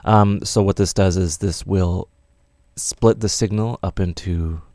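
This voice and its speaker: Low, gravelly man teaching casually. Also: steady tone, a little slow, mellow, no echo, clean studio sound, faint music behind. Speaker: music production tutor. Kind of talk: casual software tutorial narration.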